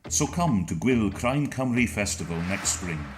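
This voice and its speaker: A man reads a scripted promotional narration at a measured pace. His voice sits fairly low. Clear music plays behind him. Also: animated.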